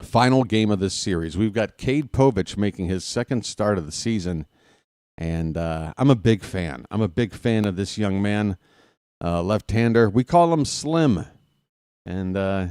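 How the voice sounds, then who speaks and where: A man's voice: on the low side, unhurried, smooth, dry recording, studio quality. A man hosting a live baseball stream, talking casually with lots of fillers while congested from sinus trouble. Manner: chatty, relaxed, many "uh" fillers. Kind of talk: casual pregame commentary.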